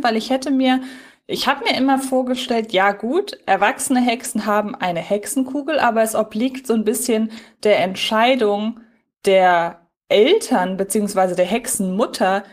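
Female podcast co-host, medium pitch, casual conversational discussion style.

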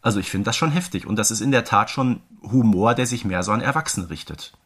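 A man's voice: on the low side, expressive, fast talker, a bit bright, breathy edge. A man co-hosting a casual fan podcast, chatty and given to playful asides. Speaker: podcast co-host.

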